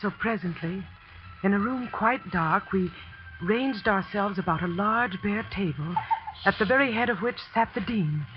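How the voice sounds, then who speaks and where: A woman's voice: medium pitch, moderate pace, natural voice. A woman playing an earnest young teacher narrating. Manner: earnest, anxious storytelling. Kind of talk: 1940s radio acting. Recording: dull 1940s radio broadcast with music.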